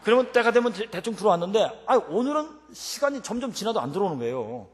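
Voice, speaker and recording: A middle-aged man delivers a revival-meeting sermon at a rapid clip. His voice sits fairly high and rings with a long hall reverb. He swings between fervent prayer and lively, chatty storytelling. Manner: animated, switches between fervent shouted prayer and chatty anecdote. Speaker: preacher and professor. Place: church sanctuary.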